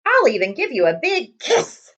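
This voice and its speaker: A woman's voice: sits high, wildly swooping pitch, moderate pace, fairly bright tone, full character voice. A woman voicing a sly, slinking storybook fox who drawls with false sweetness. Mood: sly coaxing.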